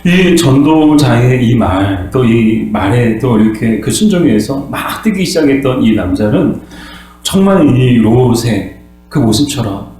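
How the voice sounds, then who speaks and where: A man's voice: mid-range voice, animated, a little slow, darkish tone, soft background music. Man preaching in a very echoey church. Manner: asks the congregation questions and answers them himself; acts out voices and cries dramatically. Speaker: pastor. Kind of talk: sermon. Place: church sanctuary. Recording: very echoey room with mains hum.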